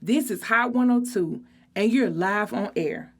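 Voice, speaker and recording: A woman's voice: medium pitch, a little slow. A woman voicing an upbeat radio DJ taking live callers, announcer-like, in a storybook reading.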